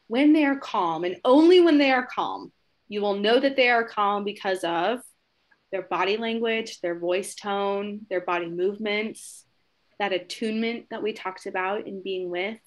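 A woman speaks in a chatty, encouraging way as she leads a training webinar for teachers. She keeps checking in with her listeners and now and then acts out quick exchanges with a child. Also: mid-range voice. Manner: warm, encouraging, tag questions like "right?". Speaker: webinar presenter, trainer of educators.

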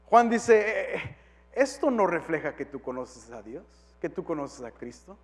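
A male pastor preaching a sermon, moving from quiet talk to shouts and dropping English phrases into his Spanish. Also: fairly high pitch, sing-song, unhurried, big-room sound.

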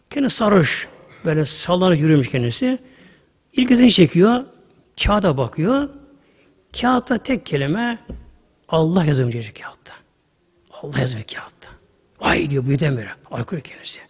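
Male preacher, sermon storyteller, high animated voice. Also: husky. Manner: storytelling with sudden loud rises and hushed asides. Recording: hall reverb.

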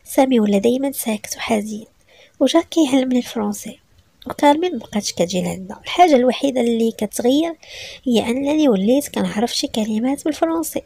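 A woman's voice: a little high, expressive, fast talker, vocal fry, warm tone, breathy edge. A woman with a Moroccan Arabic accent narrating a first-person story in an emotional, breathless way.

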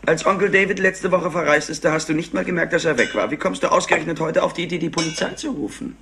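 An actor playing a clever, flippant and somewhat highly strung nephew in a crime drama, mocking and impatient. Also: male voice, fast talker, gravelly, background noise. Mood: teasing. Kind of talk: dubbed TV crime drama acting.

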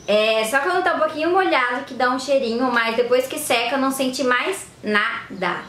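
A woman's voice: sits high, moderate pace, fairly bright tone, reverberant. A young woman chatting to her viewers in a casual beauty tutorial vlog, filmed indoors on a camera mic. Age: young adult. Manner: chatty, addresses viewers directly. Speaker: beauty vlogger. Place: room indoors, later a tiled kitchen.

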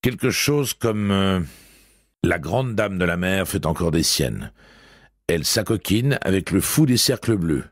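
A man's voice: low-pitched, animated, measured pace, no room sound, clean studio sound, pitched above the performer's own voice, full character voice. A man voicing a sardonic, cold-smiling blind man who grumbles curtly in an audiobook.

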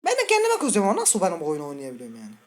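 Brief: male let's-play host, nervous and twitchy, swings from high yelps to low mutters, curses at the game, keeps asking the viewers things. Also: huge pitch swings, very fast. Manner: jittery, scared, muttering and cursing at the game; talks directly to viewers. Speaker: gaming channel host.

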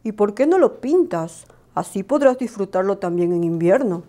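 A kind old owl teacher from a storybook, put on by a woman. He speaks slowly and calmly, lower than the rest of the tale, patient and encouraging. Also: lightly acted. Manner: encouraging, calm.

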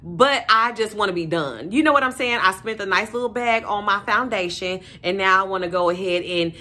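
A young woman vlogging casually to camera, slangy and animated, calling her viewers y'all and sis. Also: medium pitch, brisk. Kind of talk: casual vlog chat to camera.

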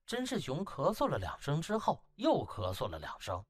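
Very animated male audiobook narrator. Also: on the high side, normal speed, husky, no echo, soft background music. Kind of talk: dramatic scripted storytelling.

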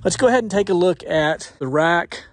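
A man's voice: high-pitched, normal speed, dry recording. Folksy man explaining his trailer rig. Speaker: pressure washing business owner. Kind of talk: casual how-to walkthrough. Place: outdoors in a driveway. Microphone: action camera worn on the body.

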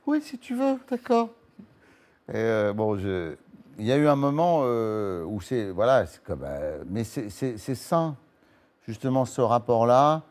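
A man in his forties with a fairly low voice, talking as a guest in a TV studio interview. He speaks casually and haltingly, restarting his phrases and briefly acting out what others said. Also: very animated, a little mellow. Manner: halting, restarts phrases, acts out little quotes. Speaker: talk show guest.

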